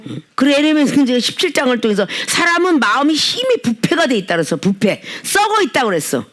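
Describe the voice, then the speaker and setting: A woman's voice: high-pitched, big pitch swings, fast, a bit bright. Emphatic woman pastor preaching. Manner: emphatic, often adds a tag question. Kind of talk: sermon at a healing service.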